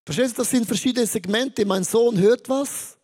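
High-pitched guy preaching, lively storytelling sermon, acts out the dialogue. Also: moderate pace. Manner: animated, acts out quotes with shifting pitch and loudness. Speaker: pastor.

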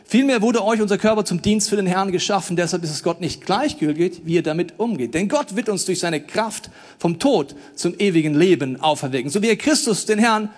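A man preaching a sermon in a casual, colloquial way, swinging between loud emphatic pleading and low, quiet intensity, with acted-out asides. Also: animated, fairly quick, few pauses.

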